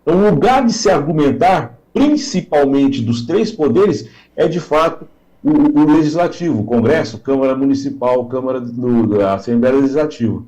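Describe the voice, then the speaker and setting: A man's voice: medium pitch, animated, normal speed, dark tone. A Brazilian man sharing his views as a panelist on a radio talk show, earnest and thoughtful. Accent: Brazilian Portuguese.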